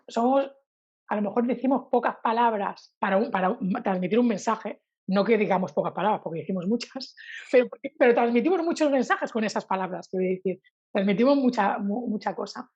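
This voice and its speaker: Woman from spain, spanish teacher in an interview, husky voice, acts out examples, kinda muffled lo-fi sound. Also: medium pitch. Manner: animated, acts out examples with sung intonation. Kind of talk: casual interview talk.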